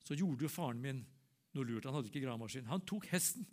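An older man, preaching and telling a personal story, acting out the dialogue and dropping to a soft, low voice for quoted prayer. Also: animated.

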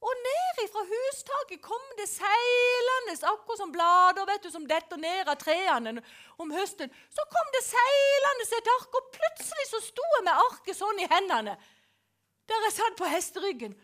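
A woman giving a dramatic testimony of a vision. She drops to hushed whispers and rises to loud, pleading cries as she acts out her prayers to God. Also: very high-pitched, sing-song. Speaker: preacher telling a vision.

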